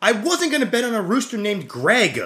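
A man's voice: high-pitched, very animated, normal speed, sharp tone, roomy sound. A man playing a tabletop game with a playful, cocky manner. His voice swings widely up and down. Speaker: tabletop player.

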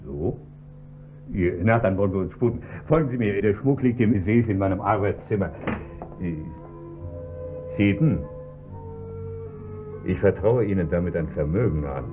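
A man's voice: on the low side, moderate pace, pauses often, faint music behind, natural voice. A man playing a genteel, trusting rich husband. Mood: genial. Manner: courteous and fussy, a little hesitant. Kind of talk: 1970s-style German radio play acting. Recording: dull, faintly hissy old radio-play recording.

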